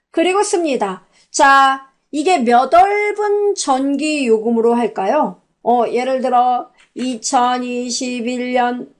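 A woman with a high voice walks the class through a spreadsheet step by step. She talks in a chatty way, tossing out questions and answering them herself. It sounds like a voice-over on a screen recording. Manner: chatty, asks and answers her own questions. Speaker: computer instructor. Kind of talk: spoken software tutorial.

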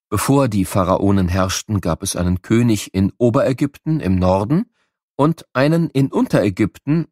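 A man's voice: medium pitch, no room sound, clean studio sound. A man reading scripted educational narration for children in an explanatory storytelling manner. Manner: clear storytelling, explanatory with rhetorical questions.

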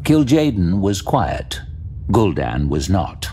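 A man narrating a scripted fantasy audio drama in a measured, theatrical, suspenseful way. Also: sits low, sing-song, mellow, a little hiss or hum.

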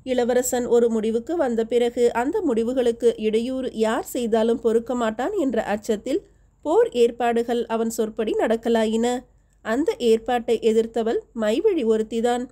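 A woman narrating a historical novel as an audiobook, reading every character's lines in her own steady voice. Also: a little high, moderate pace.

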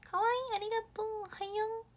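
A young woman chatting casually on a morning live stream, reading viewer comments, thanking viewers in a bubbly way and sometimes dropping to a soft whisper. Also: very high-pitched, flat delivery, fast, slight background noise.

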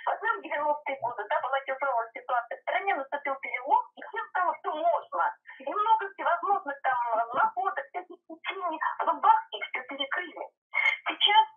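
Female phone-in guest, high-pitched, earnest monologue over a narrow, tinny telephone line. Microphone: telephone through a speaker.

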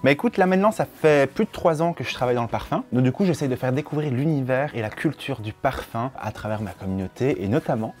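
A man's voice: mid-range voice, expressive, fast, hardly any pauses, darkish tone. A young man from Belgium with a Belgian French accent, explaining perfumes earnestly as a guest in a small room. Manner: earnest, explains with set phrases. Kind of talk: explanatory chat.

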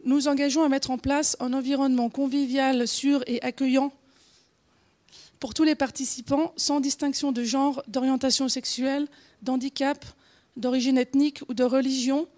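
A woman's voice: high-pitched, flat delivery, moderate pace, a little mellow. A woman in her forties with a Genevan Swiss French accent, giving an informal conference talk with many fillers, restarts and small laughs. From Switzerland. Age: 40s. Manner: hesitant, frequent fillers and restarts, laughs often. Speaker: conference speaker.

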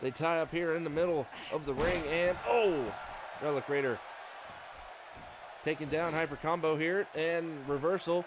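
A man giving excited play-by-play commentary over a wrestling video game, breaking into exclamations as the moves land. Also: on the high side, moderate pace. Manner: excited exclamations, rising with the action. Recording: noisy game audio behind.

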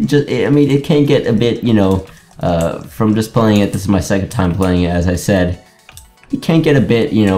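A man's voice: low voice, mellow. A young Greek-born man with an American accent, chatting casually and rambling over his own gameplay, full of fillers and restarts. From Greece. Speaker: gaming YouTuber.

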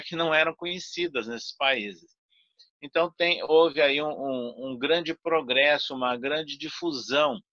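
Older man on a bright, dull video call. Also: mid-range voice, no echo. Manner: deliberate, many fillers and restarts. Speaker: guest speaker. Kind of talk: spiritist interview answer. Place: home study with bookshelves.

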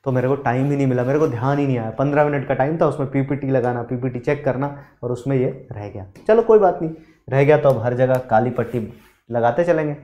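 A man teaching chemistry in a live online lecture, animated, quizzing his students and mixing in English terms. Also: mid-range voice, fast, reverberant, lo-fi sound. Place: studio classroom.

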